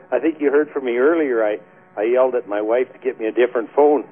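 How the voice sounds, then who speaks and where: A man's voice: mid-range voice, a little fast. A Canadian man calling in to a webcast, talking hesitantly and laughing often. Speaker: caller. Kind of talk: casual call-in chat. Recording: tinny phone-line sound.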